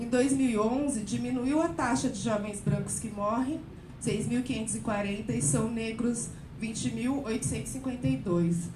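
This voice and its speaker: A woman speaks at a moderate pace in a room with audible echo. Her pitch is fairly high, with lively intonation. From São Paulo, Capão Redondo. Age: 40s. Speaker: community member. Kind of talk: public hearing speech.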